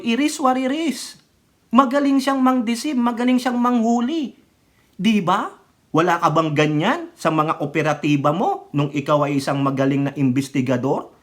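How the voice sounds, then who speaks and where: A woman vlogger giving opinionated political commentary, switching between Tagalog and English mid-sentence and scolding with rhetorical questions. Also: medium pitch. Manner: rhetorical, scolding, keeps asking "right or wrong?".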